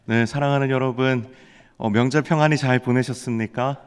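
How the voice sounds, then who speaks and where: A man's voice: medium pitch, steady tone, normal speed, smooth. A male pastor giving a sermon in a conversational style, building to emphatic exclamations and addressing the congregation directly. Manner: warm conversational preaching, rising to emphatic exclamations. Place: large church sanctuary. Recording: long church hall reverb.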